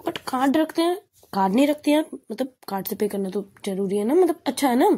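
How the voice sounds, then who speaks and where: A woman voicing a caring young woman who fusses and gently scolds her partner in a spoken love story. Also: high voice, lively intonation, fairly quick, breathy edge. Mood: fussy. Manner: fussy, protective, breezy.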